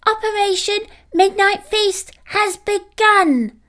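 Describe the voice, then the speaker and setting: A woman voicing a tiny, bossy boy puppy with a small squeaky voice, an adventurous little leader in a children's storybook. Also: slow pace, exaggerated voice. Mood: bold, excited. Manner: excitable, commanding.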